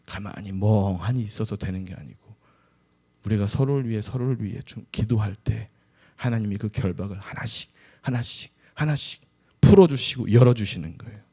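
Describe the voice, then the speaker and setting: A man's voice: fairly low pitch, moderate pace, warm tone, slightly rough. A middle-aged man, an associate pastor, preaching a conversational sermon with humorous asides.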